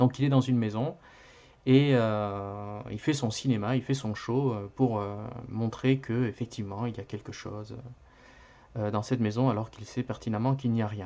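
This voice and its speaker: The voice has a dark, mellow tone and fairly even intonation, moving at a moderate pace with long, frequent pauses. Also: man, medium pitch for a man. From French-speaking country, part of youth in Venezuela. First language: Spanish (speaking French). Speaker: writer. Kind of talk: live-stream writing session. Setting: live stream. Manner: halting, many hesitations.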